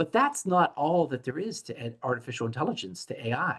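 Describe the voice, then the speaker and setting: Bright and sharp in tone, a man's fairly high voice makes very wide pitch swings, with vocal fry. His pace is moderate. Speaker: spiritual artist and author. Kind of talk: solo podcast monologue. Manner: calm.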